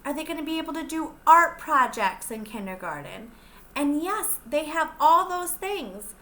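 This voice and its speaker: A young woman pre-K teacher reading a picture book aloud to small children, slow and gentle, stopping to ask them questions. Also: high-pitched, sing-song, reverberant. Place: classroom.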